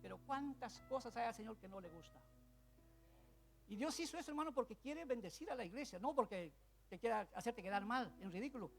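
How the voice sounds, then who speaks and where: A man preaching a sermon, telling a story with loud bursts and then dropping to hushed asides. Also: extremely high pitch, animated, a little fast, vocal fry, soft background music.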